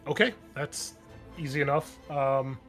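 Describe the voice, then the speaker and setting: A man's voice: medium pitch, a little slow, a bit bright. Casting: male game master, conversational and encouraging, improvising tabletop narration over light background music. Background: music under the voice.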